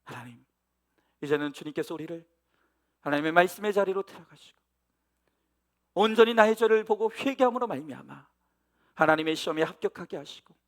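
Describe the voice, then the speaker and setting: High-voiced man praying in church. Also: lively intonation, brisk, long pauses. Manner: repetitive, pleading prayer cadence; hushed, quiet prayer. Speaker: pastor. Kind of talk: sermon and fervent spoken prayer. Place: church sanctuary. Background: music.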